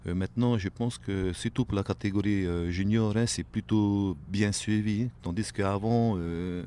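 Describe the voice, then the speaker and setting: A man, talking casually as a guest on a radio show, filling pauses with "ben", "hein" and "voilà". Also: lowish voice, steady tone, dark tone, slight background noise. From Tahiti. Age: late 30s. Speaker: guest, outrigger canoe paddler. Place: radio studio.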